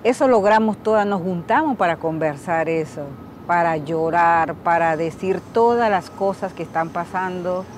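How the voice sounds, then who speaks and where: A woman from Panama who leads indigenous women's groups speaks in interview testimony, measured and emphatic, setting out her points one by one. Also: lowish voice, slight background noise.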